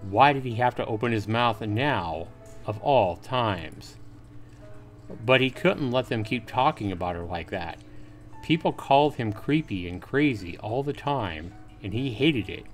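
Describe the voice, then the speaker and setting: Guy streamer reading a visual novel out loud, takes his time, average pitch, bit of music behind. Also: animated, a little slow. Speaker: livestream host. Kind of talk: reading a visual novel aloud with casual asides. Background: faint music.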